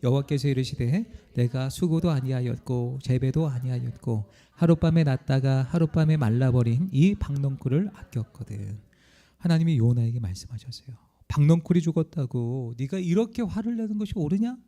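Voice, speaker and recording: A man's voice: mid-range voice, normal speed, dark tone. A male pastor preaching a sermon, telling the story dramatically and acting out the quoted lines.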